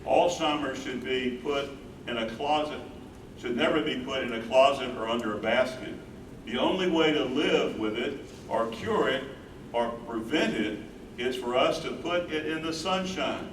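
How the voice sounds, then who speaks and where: A man's voice: mid-range voice, moderate pace, close to an everyday voice. A man in a staged reading, playing a tender, devoted elderly husband of a wife with Alzheimer's. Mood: resolute. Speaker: stage reader. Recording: echoey room, far from mic, background noise.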